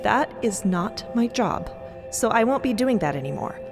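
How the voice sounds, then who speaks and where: A woman playing a composed, firm young woman in an audio drama, speaking with measured restraint. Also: on the high side, animated, over music. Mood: calm, resolute. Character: composed young woman firmly standing up to family.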